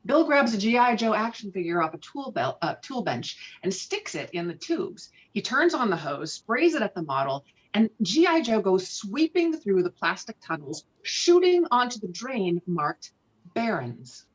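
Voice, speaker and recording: A woman's voice: medium pitch, sing-song, normal speed, husky, highs cut off. A woman reading stage directions as narrator in a script table read.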